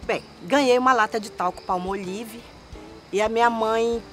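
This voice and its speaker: A woman's voice: on the high side, moderate pace, faint music behind. A woman, telling stories of her singing career outdoors in a forest park. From Manaus, Brazil. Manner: animated, lively storyteller with hand gestures. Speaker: singer guest. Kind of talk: storytelling interview answers.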